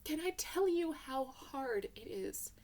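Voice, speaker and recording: Her high-pitched, animated voice moving slowly, a woman performs a literary short story told in the first person. She reads it intensely and theatrically, going from hushed passages up to emotional peaks.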